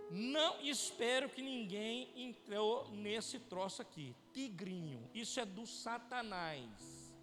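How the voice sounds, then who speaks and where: A high-pitched male pastor with a Brazilian Portuguese accent, preaching in an emphatic, repetitive way. His voice rings through a hall with a long reverb, and soft music plays underneath. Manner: emphatic, repetitive preaching with direct address to the congregation. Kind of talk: sermon.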